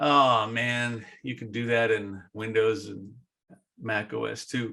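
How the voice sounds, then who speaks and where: This man has a medium-pitched voice with a bright, sharp tone. The recording is very clean, the background silent. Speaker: accessibility expert, meetup presenter. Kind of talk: presentation. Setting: virtual meetup. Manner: casual, with many fillers and restarts.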